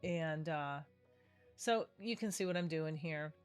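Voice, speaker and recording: Soft music plays behind a middle-aged woman hosting a craft video, her low, smooth voice nasal from a cold and measured in pace. She narrates the tutorial casually, chatty and rambling, and keeps correcting herself.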